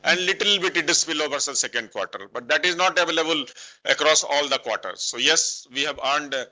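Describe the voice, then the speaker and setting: Bright, forceful Indian-accented male bank executive. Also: a little high, a little fast, poor audio. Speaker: bank executive answering analysts' questions. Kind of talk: earnings call management commentary.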